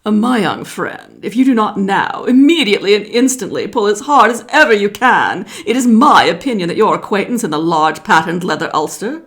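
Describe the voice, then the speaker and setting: A woman's voice: medium pitch, lively intonation, moderate pace, few pauses, a bit bright. A woman voicing a pompous, long-winded, bossy python rock snake in a children's story, with an emphatic, ornate way of talking. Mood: pompous, urgent.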